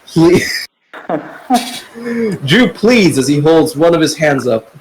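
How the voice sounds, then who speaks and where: A man's voice: fairly high pitch, very animated, slow pace, a little hiss or hum, rough recording. A man narrating a web novel chapter aloud on a podcast, stumbling and correcting himself as he reads. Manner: narrates with frequent slips, self-corrections and laughter.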